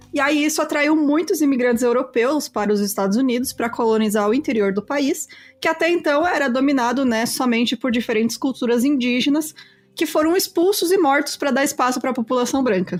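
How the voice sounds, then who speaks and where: The voice keeps a very even loudness, with lively intonation and a fairly quick pace. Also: woman, high pitch for a woman. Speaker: true crime podcast host. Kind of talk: casual podcast storytelling.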